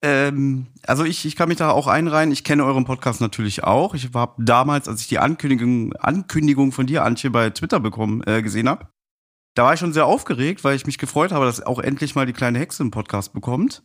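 A man's voice: medium pitch, a little fast, fairly bright tone. A man with a mid-range voice talks as a guest on a podcast. He tells personal stories casually, as a fan would.

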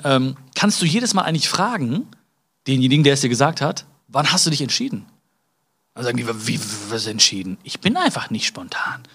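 A man's voice: medium pitch, a bit bright. Chatty man hosting a self-help podcast. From Germany. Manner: chatty, addresses listener directly with frequent tag questions; hesitant restarts and filler sounds. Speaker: podcast host.

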